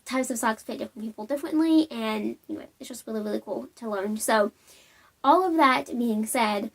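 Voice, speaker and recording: A woman's voice: on the high side, fairly quick, vocal fry. Bubbly, chatty young woman. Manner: bubbly, chatty, many "um"s and tangents. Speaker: knitting podcast host. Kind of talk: casual chat to camera. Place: at home.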